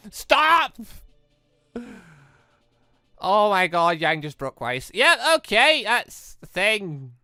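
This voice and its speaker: Let's player for visual novel commentary: highly animated, bright, excitable and reactive. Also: extremely slow, long pauses, dry recording, clean studio sound, faint music behind. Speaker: video game let's player. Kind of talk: gaming commentary with read-aloud dialogue.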